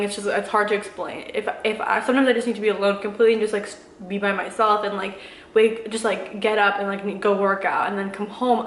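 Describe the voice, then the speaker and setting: A woman's voice: mid-range voice, fairly bright tone. A young woman chatting casually to viewers in a Q&A, rambling with lots of fillers while giving earnest, encouraging advice. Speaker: vlogger answering viewer questions. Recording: echoey room.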